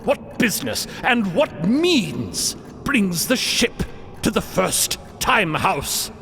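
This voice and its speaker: High, bombastic old Count. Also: male voice, big pitch swings, slow, fairly bright tone, a little hiss or hum, heavily acted. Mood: stern, pompous. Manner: pompous, booming, formal. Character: pompous old bearded Count, imperious head of a time guild. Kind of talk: narrated fiction podcast character acting. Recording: long reverb, faint music behind.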